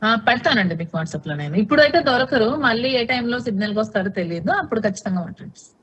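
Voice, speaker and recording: A woman answering in a heated news interview, talking fast with a fairly high voice. She is outspoken and insistent, and she hammers her points home by repeating them. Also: lively intonation, a bit bright, slightly rough.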